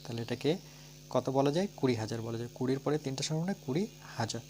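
A man with a Bengali accent teaching a primary-school math lesson. He asks questions and answers them himself, counts slowly aloud and spells words out letter by letter. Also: medium pitch, darkish tone, slight background noise. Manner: talks through steps, asking and answering his own questions.

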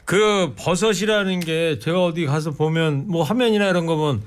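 Mature man, radio host, somewhat higher register, avuncular conversational style, studio mic. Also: normal speed. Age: middle-aged or older. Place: small radio studio, indoors. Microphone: studio microphone on stand.

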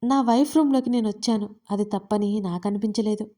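A woman's voice: mid-range voice, brisk, warm tone, natural voice. A woman voicing an insistent, possessive young husband in an audio love story, pressing his questions. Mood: calm.

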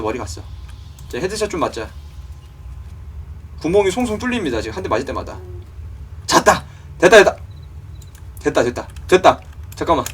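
A young man doing let's play commentary, excitable, talking to game creatures and yelping when startled. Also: sits high, husky. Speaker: gaming YouTuber.

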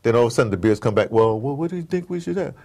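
Rapid-fire and mid-pitched, this man is a guest in an interview, riffing on politics with passion and informality. He acts out dialogue, leans on slang and rhetorical questions, and tells his stories in an animated, emphatic way.

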